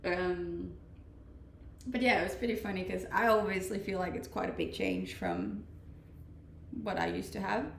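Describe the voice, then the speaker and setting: On her live stream, a twentysomething woman from Denmark reads comments and chats casually, laughing a lot and restarting sentences. Her voice is on the low side with vocal fry, animated at a normal pace. The mic is distant, giving roomy echo and faint noise.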